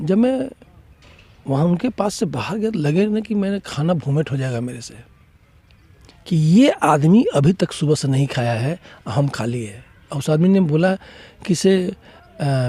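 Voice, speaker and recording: Man with a Bihari accent, very wide pitch swings and long, frequent pauses, dry and close with no echo. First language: Bhojpuri (speaking Hindi). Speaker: film actor. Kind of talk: interview.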